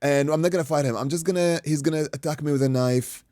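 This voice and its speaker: A man from Iraq, a boxing coach and guest, telling an animated story in casual chat, acting out quotes and swearing freely. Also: a little high, fast talker, no echo, studio quality.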